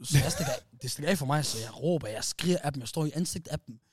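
On his laid-back podcast, a man whose voice is on the high side with a breathy edge spins a story in short phrases. The studio-quality recording has no room sound, and his lively telling is full of restarts and slang such as "bro" and "wallah."

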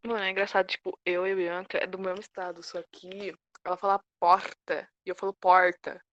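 A woman's voice: fairly low pitch, flat delivery, a little fast, a bit bright, muffled recording. A young woman co-hosting a casual podcast on her phone, teasing and playful. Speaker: podcast co-host.

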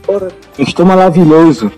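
A man's voice: fairly high pitch, animated, moderate pace, dark tone, soft background music, close to an everyday voice. A man voicing a nervous, prim male caller, with formal phrasing.

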